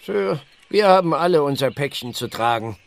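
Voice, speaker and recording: An actor playing a village doctor in a radio play, dry and matter-of-fact in manner. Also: male voice, a little high, animated, normal speed, gravelly. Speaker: actor in audio drama. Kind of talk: German radio play acting.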